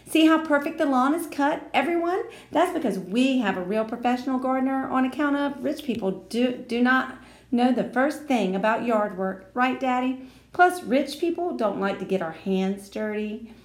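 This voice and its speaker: Lady doing a bratty rich kid, high and sing-songy, echoey room. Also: expressive, moderate pace. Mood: boastful. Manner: prissy, sing-song, boastful. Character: spoiled, showy rich little girl.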